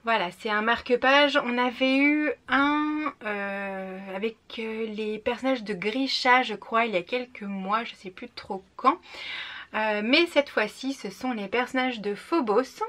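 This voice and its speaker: A woman's voice: fairly high pitch, unhurried, fairly bright tone. A young woman who is a native French speaker, chatting through a casual book box unboxing with enthusiasm and frequent fillers. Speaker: book vlogger.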